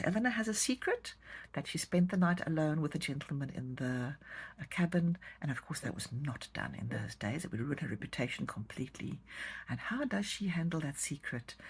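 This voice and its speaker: South african woman, low husky voice, chatty storytelling about her book. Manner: chatty, warm storytelling of a plot summary. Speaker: romance author. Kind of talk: pitching her new book to camera.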